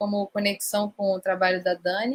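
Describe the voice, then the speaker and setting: The dry, close recording with no echo captures a woman at medium pitch speaking at a moderate pace in a monotone, flat intonation. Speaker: curator and photographer moderating panel. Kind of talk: panel discussion. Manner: halting with fillers.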